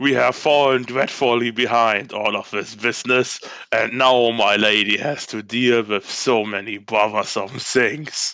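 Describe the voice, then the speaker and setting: Growling in a put-on character voice, a man holds a medium pitch with fairly even intonation. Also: moderate pace, hardly any pauses. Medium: read story. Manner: gruff, curt.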